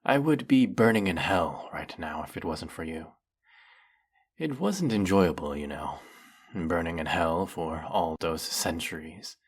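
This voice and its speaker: A man playing a flirty, fanatically devoted demon familiar in a dramatic audio roleplay, with fawning, formal diction and a breathy, husky voice. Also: sits low, lively intonation, a little slow, exaggerated voice. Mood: mournful, devoted. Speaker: voice actor. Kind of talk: dramatic roleplay monologue spoken to the listener.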